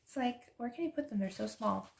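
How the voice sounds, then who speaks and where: Soft-spoken hoarse woman with vocal fry. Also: on the high side, expressive, brisk. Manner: soft-spoken, drifting into whispers; chatty, laughs often. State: hoarse, losing her voice. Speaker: planner and journaling vlogger. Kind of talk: casual chat while decorating a planner.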